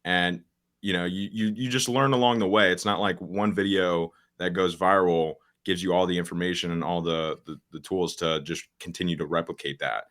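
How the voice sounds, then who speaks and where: A nineteen-year-old man with a deep voice, a podcast guest talking in a casual, straightforward way with frequent restarts and fillers. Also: steady tone, normal speed, fairly bright tone. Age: teens. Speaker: guest, social media agency founder.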